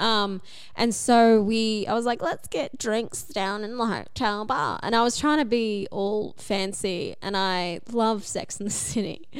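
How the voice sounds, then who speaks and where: A woman speaks at a fairly slow pace with an Australian accent. Her pitch is fairly high, with ordinary variation. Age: 20s. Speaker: podcast co-host. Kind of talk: casual chat.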